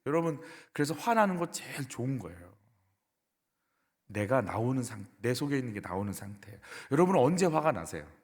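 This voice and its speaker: A male pastor delivers a sermon in a church sanctuary, his pitch swinging widely and expressively. He presses his points with rhetorical questions to the congregation. The voice carries a long, echoing reverb from the hall. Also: very animated, brisk, a little mellow. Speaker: senior pastor.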